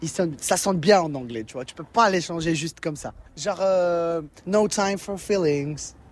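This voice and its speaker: High-pitched man with ordinary pitch variation. The recording is very clean, with a silent background. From Morocco, Casablanca. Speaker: rapper. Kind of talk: interview.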